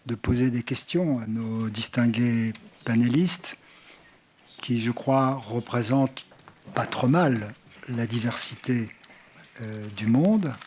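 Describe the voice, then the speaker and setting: A man moderating a conference panel discussion, speaking haltingly with many fillers and restarts. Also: mid-range voice, a little mellow, a little hiss or hum. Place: conference hall stage.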